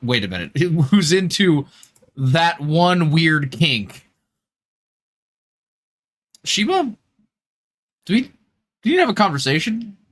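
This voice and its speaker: A man's voice: fairly high pitch, fairly bright tone. A man hosting a live gaming stream, chatting casually and jokingly with his viewers in slangy language. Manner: jokey, slangy, swears casually. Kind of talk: casual livestream chat with viewers.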